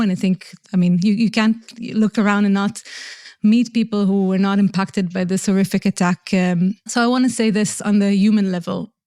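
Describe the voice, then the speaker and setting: A woman's medium-pitched voice with an Israeli accent, dark and mellow in tone, flat and monotone, at a moderate pace on a very clean recording with a silent background. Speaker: humanitarian legal advisor. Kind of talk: podcast interview.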